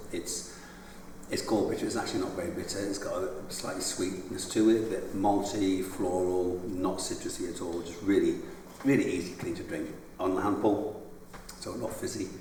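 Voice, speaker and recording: There is audible room echo and noticeable background noise as a man with a Yorkshire accent speaks at a moderate pace. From Yorkshire, northern England. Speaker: brewery co-founder. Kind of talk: casual chat.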